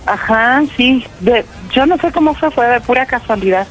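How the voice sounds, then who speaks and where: A performer playing a young trans woman, halting and filler-heavy on a prank call. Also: mid-range voice, animated, a bit bright, faint music behind, natural voice, rough recording. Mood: hesitant. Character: young trans woman calling her mother, nervous. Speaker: prank caller. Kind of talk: prank phone call role-play.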